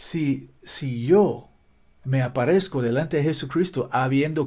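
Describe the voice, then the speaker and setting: Recorded very cleanly against a silent background, a man with an American accent speaks at a fairly high pitch in a dark, mellow, somewhat breathy tone with ordinary pitch variation. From United States. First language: English (speaking Spanish). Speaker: preacher. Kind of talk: sermon. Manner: halting, with frequent restarts.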